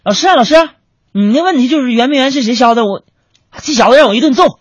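A man voicing an agitated, middle-aged father who shouts excitedly as he reports to the teacher. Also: very high-pitched, quick pace, no room sound, highs cut off, pitched above the performer's own voice.

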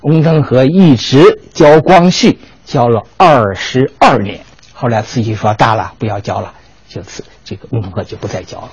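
An older man giving a storytelling history lecture, lively and animated, often asking his listeners rhetorical questions. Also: medium pitch, normal speed, lo-fi sound.

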